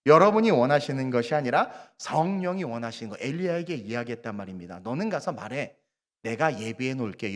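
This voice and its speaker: A man preaching a sermon, acting out little dialogues and swinging between loud bursts and quiet asides. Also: medium pitch. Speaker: guest preacher at a revival service. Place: church sanctuary. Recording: long church reverb.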